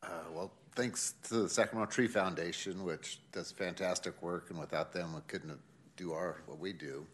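A man's voice: low voice, steady tone, normal speed. A man from a tree project thanking supporters at a city meeting, rambling as he searches for names. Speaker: tree project volunteer accepting award. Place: city council chamber.

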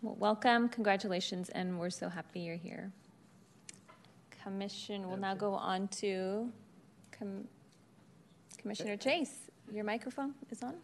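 A woman's voice: mid-range voice, measured pace, pauses often, a little hiss or hum. A woman chairing a public commission meeting, friendly and procedural.

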